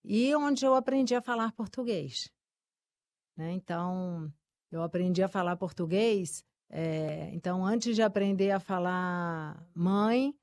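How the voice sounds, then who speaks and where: A woman from Uruguay whose first language is Spanish, a guest in an interview, speaking with many pauses and fillers. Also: on the low side, a little mellow, no room sound, studio quality. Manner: slow, hesitant, many fillers like "né" and "eh". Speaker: guest author and psychoanalyst. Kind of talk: conversational interview.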